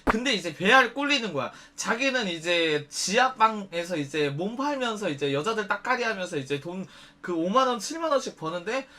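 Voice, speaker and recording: A man's voice: high-pitched, normal speed, hardly any pauses, background noise. A young man telling a story to his viewers in a casual way, blunt and full of swearing. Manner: blunt, profane, animated storytelling. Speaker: streamer.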